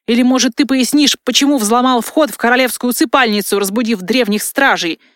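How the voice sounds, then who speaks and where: Lady doing a hotheaded young crown prince guy, loud and raised, dry close sound. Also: on the high side, fairly quick, dry recording, natural voice. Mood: roaring. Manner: bewildered turning to roaring anger. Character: proud, hot-tempered young male crown prince.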